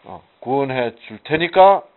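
A man leads a relaxed Bible study in slow, unhurried speech. His pitch swings widely as he poses rhetorical questions and answers them himself. The audio is narrow and tinny, like a phone line. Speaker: Bible teacher. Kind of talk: casual Bible study teaching.

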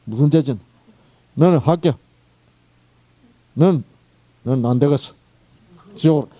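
A man's voice: fairly high pitch, a little slow, dry recording, voice pushed up. Man doing a harsh, mocking judge. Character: harsh, mocking male judge calling sinners up. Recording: muffled lo-fi recording.

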